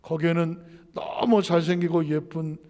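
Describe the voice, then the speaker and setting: A man's voice: fairly high pitch, little pitch movement, unhurried, warm tone, long reverb tail. A middle-aged man from South Korea preaching as a pastor, telling a story and asking the congregation questions. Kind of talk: sermon.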